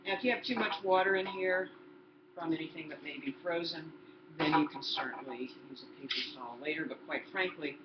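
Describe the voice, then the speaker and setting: A woman's voice: sits low, a little fast. A woman in her sixties giving a chatty home cooking demonstration in her kitchen, explaining each step to the viewer. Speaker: cooking instructor. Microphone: laptop built-in mic. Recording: roomy, dull lo-fi laptop sound with background noise.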